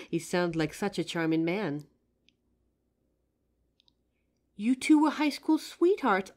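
A woman playing a friendly, curious psychic who helps out in a costume shop, chatting expressively to the listener in a roleplay audio drama. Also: mid-range voice. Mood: tender, curious. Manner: chatty, expressive, with pauses and soft laughs. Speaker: voice actor. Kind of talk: roleplay audio drama, one side of a chat addressed to the listener.

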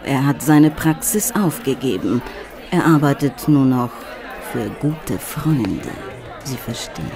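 An actress playing a flirtatious, catty, ambitious starlet in a radio play, with a coquettish, teasing delivery. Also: female voice, extremely low pitch, very animated, slow pace, heavily acted. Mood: seductive. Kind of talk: German radio play acting. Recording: party crowd and music behind.

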